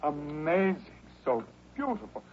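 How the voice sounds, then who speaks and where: An actor playing an astonished, awestruck jeweler in a 1960s radio drama. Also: male voice, a little high, big pitch swings, a little slow. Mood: amazed. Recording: muffled, hissy old radio recording.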